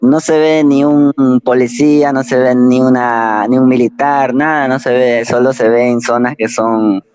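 A man with an Ecuadorian accent calling in to a radio show, speaking plainly and haltingly with fillers. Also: medium pitch, level tone, a little mellow, clear, resonant tone, dry recording. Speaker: caller. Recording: dull, dry phone line.

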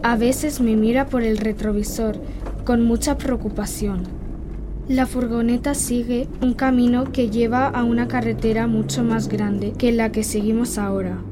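A woman's voice: fairly high pitch, steady tone, normal speed, background noise. A woman reading a scripted first-person diary in the voice of a young girl, simple and intimate. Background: soft background music.

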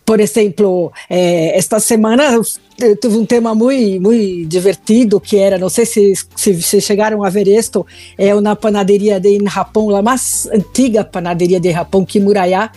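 A woman's voice: mid-range voice, fairly even intonation, normal speed, warm tone, dry recording, faint music behind. A woman from Brazil with a Brazilian Portuguese accent, a native Portuguese speaker, answering interview questions as a food journalist and searching for words in a second language. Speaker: food journalist, radio guest.

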